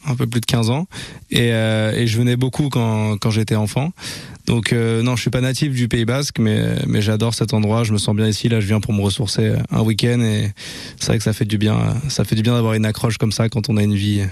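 A young man, a musician guest, answering casually in a relaxed, halting way and repeating words. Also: lowish voice, gravelly, no echo.

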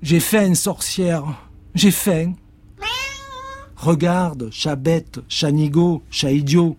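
A man's voice: fairly high pitch, fairly even intonation, a little mellow, a little hiss or hum, pitched above the performer's own voice. A man voicing a cheeky, greedy male house cat who always complains of hunger, in a storybook reading. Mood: whiny. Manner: complaining, greedy, quick to protest.

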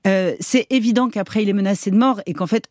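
A woman hosting a radio interview, speaking in a measured way with some fillers. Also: mid-range voice, darkish tone, no echo, studio quality. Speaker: radio host.

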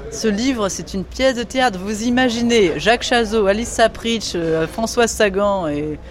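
A middle-aged woman novelist speaking enthusiastically in a radio documentary interview, often restarting and repeating words. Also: mid-range voice. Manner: enthusiastic, with many restarts and repetitions. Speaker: novelist guest.

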